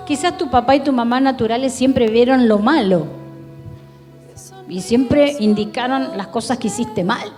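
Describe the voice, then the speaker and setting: Woman pastor, Argentine accent, fairly high, dark tone, long church reverb, soft music behind. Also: normal speed. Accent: Argentine Spanish. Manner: earnest, pleading, speaks straight to the listener. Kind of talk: sermon. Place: church hall.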